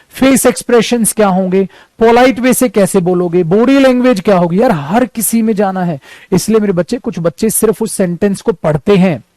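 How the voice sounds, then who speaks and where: A man with an Indian accent teaching spoken English, mixing Hindi and English, repeating his English lines slowly and calling his students "beta" and "dear". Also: sits high, a little mellow, no room sound. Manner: addresses listeners fondly as "beta" and "dear".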